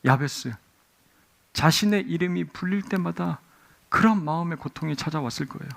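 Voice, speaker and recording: Man, pastor, sermon in a church, gravelly, somewhat high voice, storytelling. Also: normal speed, a bit bright. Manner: storytelling, acting out voices in quotes. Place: church sanctuary.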